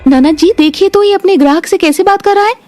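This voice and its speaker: A woman's voice: very high voice, fast talker, a little mellow, soft background music, pitched above the performer's own voice. A woman voicing a naive, earnest young daughter-in-law from a poor home in a cartoon story. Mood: indignant. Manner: naive, earnest, speaks of herself as "we". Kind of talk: cartoon voice acting.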